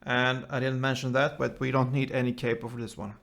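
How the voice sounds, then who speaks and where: A man giving an informal step-by-step guitar lesson in short, halting phrases as the host. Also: medium pitch, level tone, creaky, fairly bright tone. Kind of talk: step-by-step instrumental tutorial. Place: indoors, small room, seated with guitar. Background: acoustic guitar playing.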